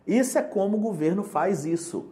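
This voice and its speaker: Brazilian-accented teacher, casual prep lesson, jokey and patient, pitch swinging widely. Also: animated, mellow. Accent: Brazilian Portuguese. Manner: chatty, joking, explains slowly with examples. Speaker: English teacher for exam prep.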